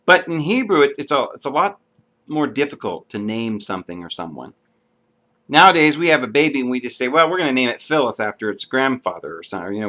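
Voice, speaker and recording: A man's voice: mid-range voice, pushed and bright. A man giving an unscripted, earnest monologue to camera, with frequent ums and restarts. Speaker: video blogger.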